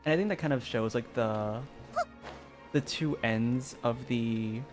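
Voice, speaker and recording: Man, mid-pitched voice, casual streamer commentary, hesitant rambling, lots of "like", background music. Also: a little slow. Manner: hesitant, peppered with "like". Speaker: video game streamer.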